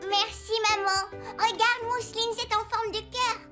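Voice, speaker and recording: A woman voicing a curious, cheerful four-year-old boy in a children's cartoon, with slow, simple, childlike speech. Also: very high voice, steady tone, sharp tone, soft background music, exaggerated voice.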